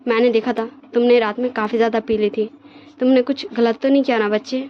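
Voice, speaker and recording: A woman's voice: fairly high pitch, steady tone, fast, lo-fi sound, slight background noise, lightly acted. A woman voicing a proud young male alpha husband in a storybook retelling, who stammers when caught off guard. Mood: apologetic.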